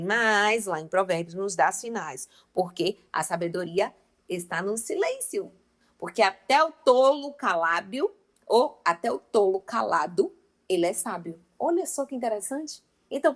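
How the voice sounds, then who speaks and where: A young woman giving an informal Christian devotional talk, speaking emphatically and straight to her listeners with affectionate asides. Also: mid-range voice. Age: young adult. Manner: emphatic, talks straight to the listener as "meu amor" and "gente".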